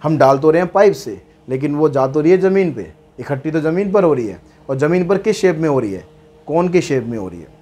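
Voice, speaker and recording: This maths teacher has a fairly high, mellow, husky voice and lively intonation. He breaks problems down step by step in a chatty manner, questioning himself and replying. The English problem text he reads slowly and deliberately.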